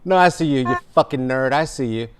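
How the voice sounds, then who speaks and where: A man in his forties with a baritone voice, hosting a podcast interview over a video call from home with a studio mic, animated and emphatic. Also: fairly quick, noisy background. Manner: animated, emphatic, gestures while talking. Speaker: podcast host. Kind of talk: casual conversation. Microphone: studio mic in frame, earbud.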